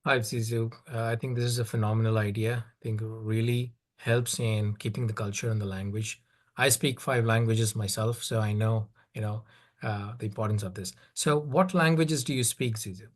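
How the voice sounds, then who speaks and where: A man's voice: on the low side, fairly even intonation, normal speed. A man on a judging panel, friendly and encouraging, praising the idea and asking follow-up questions. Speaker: competition judge.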